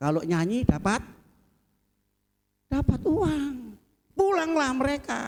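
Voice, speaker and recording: At a very slow pace, a man talks with very wide pitch swings. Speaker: pastor. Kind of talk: sermon. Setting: church service, livestreamed. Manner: occasional stammer.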